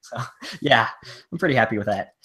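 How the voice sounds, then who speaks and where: Male guest booktuber, average pitch, eager and agreeable, laughs often. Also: lively intonation, brisk, sharp tone. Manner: enthusiastic, keeps saying it'd be amazing. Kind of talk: casual live-stream book chat.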